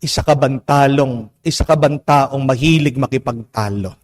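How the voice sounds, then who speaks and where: A man with a Filipino accent preaching a Catholic homily, slow and emphatic, stretching out words and asking rhetorical questions. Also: medium pitch. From Philippines. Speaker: Catholic priest. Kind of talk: homily mixing Tagalog and English. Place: church. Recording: long church reverb.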